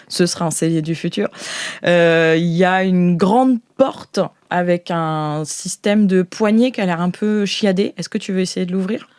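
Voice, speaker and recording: A woman's voice: fairly low pitch, moderate pace, a little mellow, smooth, no room sound, studio quality. A woman improvising narration as game master of a sci-fi tabletop roleplay, hesitant and searching for her words.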